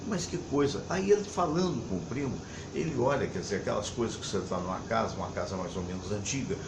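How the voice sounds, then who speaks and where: A man hosting a program, telling a story to his viewers in a halting way, repeating words before he finds them and then building up with emphasis. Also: on the low side, lively intonation. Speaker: TV program host. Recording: echoey room with background noise.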